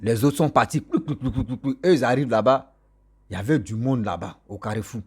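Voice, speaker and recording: A man, not a native French speaker, tells a story to his viewers in a lively, repetitive, chatty way. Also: mid-range voice, fairly quick, slightly rough. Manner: animated, repetitive, warm direct address to viewers. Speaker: storyteller vlogger. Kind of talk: casual spoken storytelling.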